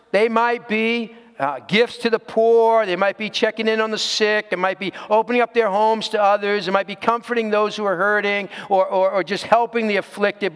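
A man's voice: high-pitched, a bit bright, long reverb tail. A man preaching a sermon as pastor, earnest and direct, putting rhetorical questions to his congregation.

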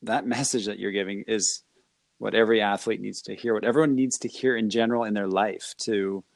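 A man's voice: lowish voice, steady tone, fairly quick, gravelly, dry recording. A man hosting an interview, asking long, enthusiastic questions that ramble with restarts. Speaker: podcast host. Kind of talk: interview chat.

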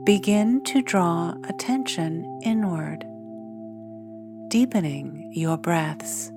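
A woman leading a guided meditation in a soothing, measured way, leaving long pauses between phrases. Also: lowish voice, lively intonation. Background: meditation music with singing bowls.

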